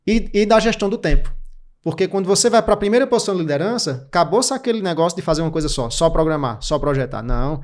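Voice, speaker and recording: A Brazilian man in his thirties, a podcast guest, explaining career habits in quick, clipped lists with lots of energy. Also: a little high, animated. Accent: Brazilian Portuguese. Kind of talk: didactic interview talk.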